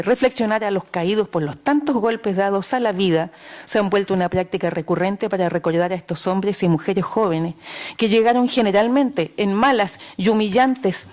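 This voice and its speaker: Woman reading a measured talk. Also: medium pitch, darkish tone. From Chile. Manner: measured, emphatic, slows on key phrases. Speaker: panel speaker.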